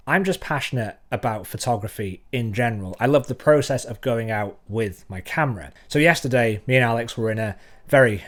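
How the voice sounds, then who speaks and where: A man at a middling pitch talks through his thoughts as a photographer, in an easy, musing way. Soft music plays faintly behind him. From North Wales. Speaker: photographer and channel host. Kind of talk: reflective talk to camera.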